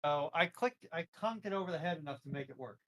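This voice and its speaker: Man with a slightly high voice. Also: expressive, fast talker, fairly bright tone. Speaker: live stream participant handling chat and tech. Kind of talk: casual chat on a live stream.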